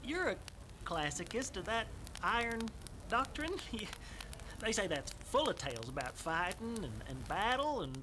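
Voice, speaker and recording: A woman's voice: medium pitch, big pitch swings, a little slow, background noise. An actress playing a curious young woman with rustic, homespun speech.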